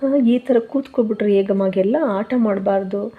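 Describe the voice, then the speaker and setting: A woman voicing a gentle young husband who coaxes and consoles his wife in a soft, preachy tone. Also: medium pitch, normal speed, narrow, tinny audio, natural voice. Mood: persuading. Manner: soothing, coaxing, preachy.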